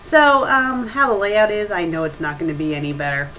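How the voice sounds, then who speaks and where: A woman's voice: medium pitch, steady tone, fairly quick, pushed and bright. Woman web critic, mid-range voice, casual, nitpicking, blunt, slightly noisy webcam audio. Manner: blunt, nitpicking, mildly profane. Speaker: web show host and critic. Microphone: webcam microphone. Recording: noisy webcam microphone with ambient hiss.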